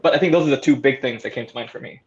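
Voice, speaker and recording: Slightly dull lo-fi audio, guy on a casual panel, pausing and thinking out loud. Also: mid-range voice, a little hiss or hum. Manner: halting, thoughtful. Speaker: audio drama creator and panelist.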